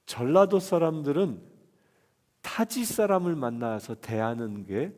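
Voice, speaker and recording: A man's voice: mid-range voice, darkish tone. A man with a Seoul Korean accent preaching a conversational sermon, asking the listeners questions and answering them himself. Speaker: pastor. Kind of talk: expository sermon. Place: church. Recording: long hall reverb.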